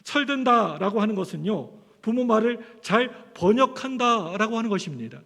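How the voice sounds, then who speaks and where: A man's voice: sits high, expressive, moderate pace, vocal fry, a bit bright. A man preaching a sermon as pastor, telling stories animatedly and acting out the voices of parents and children. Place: church sanctuary. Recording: long church hall reverb.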